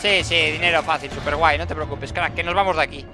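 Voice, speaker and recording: A man with a Spain Spanish accent giving jokey, excitable gameplay commentary and talking to the game characters. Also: fairly high pitch, fast. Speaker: gaming channel host. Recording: game music and sounds behind.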